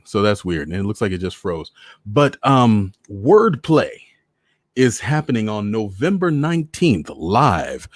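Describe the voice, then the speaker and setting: An American man hosting a live online story-reading show chats casually with his viewers, repeating phrases to drive them home. His voice is fairly low and a little mellow, in a dry recording with clean studio sound.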